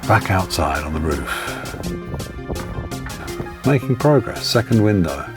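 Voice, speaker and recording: A hoarse man narrating his building vlog in a relaxed, halting way with lots of "uh". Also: low voice. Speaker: vlogger. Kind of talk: casual narration. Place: home studio. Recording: voice-over with music bed. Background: music.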